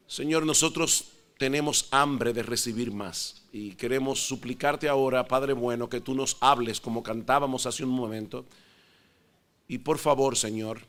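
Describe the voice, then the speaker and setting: A middle-aged man from the Dominican Republic with a Dominican Spanish accent, preaching a sermon in an earnest, measured way and praying softly. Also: medium pitch. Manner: earnest, measured preaching with soft, hushed prayer. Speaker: pastor.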